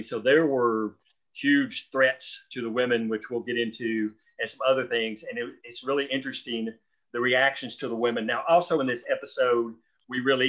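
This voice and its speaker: A man's voice: mid-range voice, a bit bright, lo-fi sound. A man explaining storytelling choices in a group discussion, talking discursively as a writer of the show.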